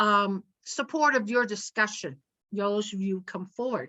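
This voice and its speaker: Her intonation is lively. The woman talks fairly slowly. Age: 60s. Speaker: radio show host and psychic medium. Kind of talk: radio talk show hosting discussion. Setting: Zoom video call broadcast. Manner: casual, with filler words.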